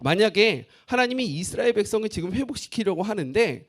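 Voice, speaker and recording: A man's voice: high-pitched, lively intonation, quick pace. A man preaching a sermon as pastor, who jokes with the congregation and asks them questions.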